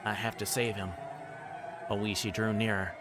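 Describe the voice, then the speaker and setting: Low-pitched man reading aloud over noise. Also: moderate pace. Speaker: streamer reading a visual novel aloud. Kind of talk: live read-aloud of a story game, with asides. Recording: steady noise behind the voice.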